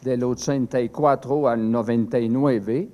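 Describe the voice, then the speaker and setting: Slow, halting older priest with French roots. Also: male voice, mid-range voice, steady tone, dark tone. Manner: slow and halting, with many fillers and restarts. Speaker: priest giving a seminar talk. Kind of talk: prepared talk read from a text.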